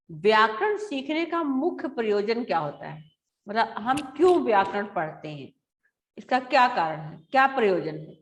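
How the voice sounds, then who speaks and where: A woman teacher leads a grammar lesson for schoolchildren. Her voice sits a little high. She explains slowly and carefully, saying words aloud twice so pupils can follow.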